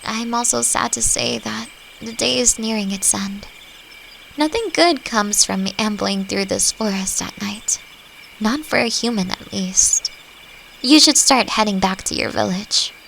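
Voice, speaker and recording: Woman voicing female elf, friendly and reflective, mid-pitched, creaky, conversational audio drama delivery, insect ambience in background. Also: a little slow, fairly bright tone, poor audio. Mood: apologetic, soft. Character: friendly, thoughtful female forest elf, long-lived and curious. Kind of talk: roleplay audio drama addressed to the listener. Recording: faint noise, nighttime forest insect ambience. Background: crickets and forest ambience.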